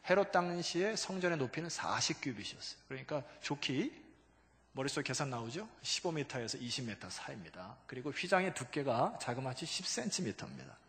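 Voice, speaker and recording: A male pastor preaching a sermon, emphatic, swinging between loud exclamations and hushed low asides and calling out to the congregation. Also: big pitch swings, fairly quick. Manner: calls out to the congregation for responses. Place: church sanctuary. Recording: long reverb of a large church hall.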